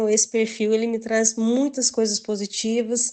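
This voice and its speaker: Her fairly high voice stays monotone and flat as the woman speaks. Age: 40s. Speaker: administrative assistant and local photographer. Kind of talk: interview.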